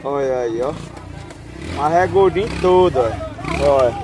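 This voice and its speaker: Amid the din of a crowded outdoor market, a man with a Northeastern Brazilian accent films the animals on sale while offering relaxed walking commentary. He's talkative and keeps pointing things out, speaking unhurriedly in a slightly high voice.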